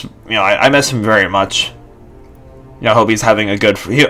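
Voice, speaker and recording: Here the twenty-something vlogger, raised bilingual in Lithuanian and English, has a lowish voice with a sharp edge. He chats loosely to the camera, restarting and filling gaps as he goes.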